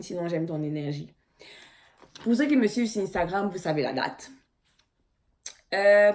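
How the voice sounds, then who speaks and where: A woman's voice: mid-range voice, darkish tone. A young woman from Cameroon, answering viewer questions in a frank, blunt, casual vlog.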